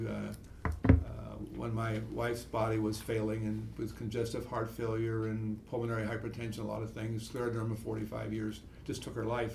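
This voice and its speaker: Noticeable background noise runs beneath this man's voice. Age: 80s. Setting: radio studio interview.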